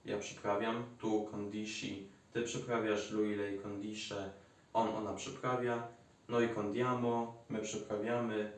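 A man's voice: fairly low pitch, level tone, takes it slowly. A man with a Polish accent teaching Italian grammar at a whiteboard, talking in a chatty way with joking asides. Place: room by a whiteboard. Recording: very echoey room, mic at a distance.

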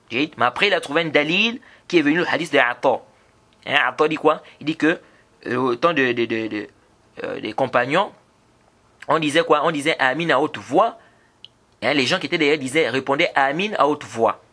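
A man's voice: medium pitch, bright, forceful tone. A man teaching a religious lesson on prayer, who asks rhetorical questions and answers them himself and recites hadith in Arabic between his French explanations. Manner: interjects approving Arabic words between points. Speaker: Islamic teacher.

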